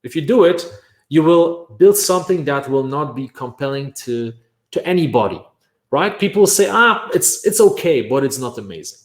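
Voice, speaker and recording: With a fairly high voice and a normal speaking speed, a native Polish speaker from Poland leads an energetic web workshop about course making. He underlines points with "right?" and keeps saying "bam." The space sounds reverberant.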